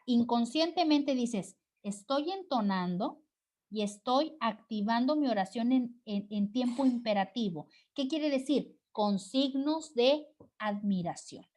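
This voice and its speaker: A woman's voice: fairly high pitch, darkish tone. A Mexican woman teaching a class, explaining step by step and often checking with her students. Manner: explanatory, frequent check-ins with "¿ok?" and "¿sí?". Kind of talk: recorded online class lecture.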